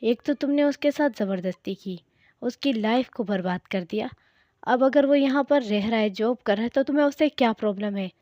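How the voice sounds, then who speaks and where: A woman's voice: fairly high pitch, normal speed, dark tone, no echo, muffled recording, natural voice. A woman reading the lines of a stern, authoritative father who scolds his grown son in a told story. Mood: scolding. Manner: commanding, scolding.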